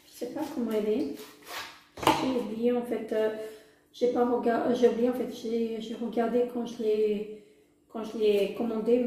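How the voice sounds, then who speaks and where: A beauty vlogger with a slightly high, mellow voice casually reviews makeup, gushing with delight, repeating enthusiastic exclamations and using many fillers. The very echoey room carries slight background noise.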